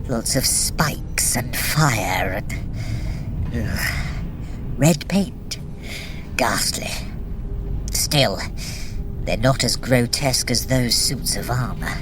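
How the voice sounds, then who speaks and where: A woman's voice: low-pitched, background noise. A woman playing an imperious, sardonic trickster deity who guides a mortal, with dry theatrical delivery in a scripted audio adventure. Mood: disdainful. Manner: haughty, sarcastic, dry, theatrical. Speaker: story guide in a running workout. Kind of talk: scripted audio adventure acting, addressing the listener.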